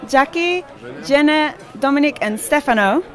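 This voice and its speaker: A woman hosting quick, upbeat interviews with guests outdoors at a conference. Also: high voice, lively intonation, fairly bright tone. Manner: upbeat, chatty, friendly greetings. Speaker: interviewer, host.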